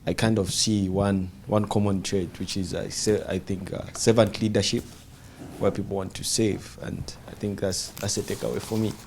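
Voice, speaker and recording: Deep, creaky, thoughtful man. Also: flat delivery, normal speed, darkish tone, a little hiss or hum. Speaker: fellowship participant. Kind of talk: spontaneous remarks in a group discussion.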